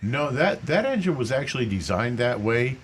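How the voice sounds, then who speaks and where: A man's voice: mid-range voice, very animated, normal speed, slight background noise. A man co-hosting a radio call-in show, explaining things in an easygoing way with frequent restarts. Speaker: car expert co-host. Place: radio studio.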